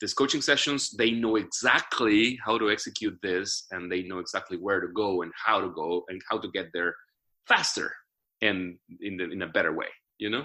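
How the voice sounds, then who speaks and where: Recorded very cleanly against a silent background, a man with a strong Latin American accent speaks at a moderate pace in a fairly low pitch, his tone bright and sharp with ordinary pitch variation. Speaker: voice actor and coach. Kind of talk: interview. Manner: halting, many repetitions and fillers.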